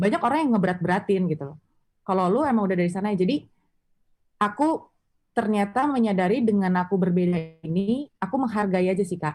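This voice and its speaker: At a very fast pace, a woman speaks with lively intonation and a medium pitch. Her loudness stays very even, and her voice is somewhat breathy. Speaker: guest, aspiring news presenter. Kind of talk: casual radio talk show chat.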